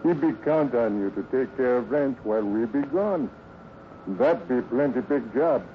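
An actor playing a loyal, gentle ranch hand who speaks earnest broken English with a foreign accent in a 1950s radio western. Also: male voice, medium pitch, lively intonation, moderate pace, natural voice. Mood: gentle, coaxing. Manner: broken pidgin grammar, earnest and soothing. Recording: muffled, noisy old radio recording.

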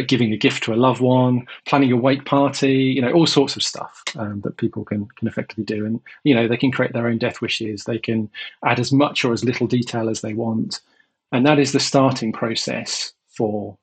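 Gravelly, husky man explaining calmly. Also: medium pitch. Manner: measured, repeats words as he thinks. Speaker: guest, insurance company executive. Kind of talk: podcast interview answers.

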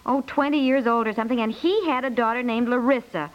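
High-voiced, excitable 1950s radio housewife, played by an actress. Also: female voice, quick pace, natural voice. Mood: chatty, recollecting. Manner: breathless, rambling, exclamatory. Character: excitable, chatty young-to-middle-aged housewife inheriting money. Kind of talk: 1950s radio comedy acting. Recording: muffled vintage 1950s radio recording.

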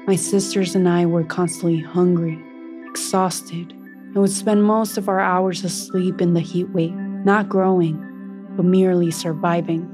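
A woman voicing an earnest young maize plant reborn as a human, narrating a first-person story in a deliberate, emotive way. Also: on the low side, flat delivery, natural voice. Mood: weary, wistful. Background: music.

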